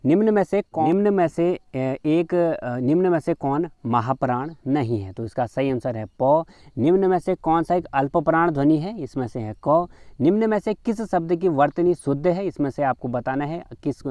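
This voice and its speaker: A man's voice: medium pitch, warm tone, no room sound. A man teaching a grammar lesson in quiz form. He reads each question aloud and then explains the answer, with frequent fillers, calling his viewers friends.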